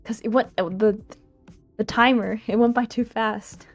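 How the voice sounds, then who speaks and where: A woman streamer reading a visual novel aloud on a livestream, expressive and giggly, stumbling over lines and making asides to chat. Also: a little high, unhurried, highs cut off. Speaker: streamer, VTuber. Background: game music.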